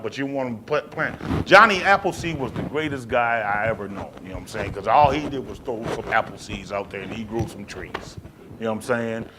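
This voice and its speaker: A man's voice: mid-range voice, fairly bright tone. A man giving an impassioned, informal answer on a panel, driving points home with rhetorical questions and repeated check-in tags. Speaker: panel speaker from the film's team. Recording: noisy live event room recording.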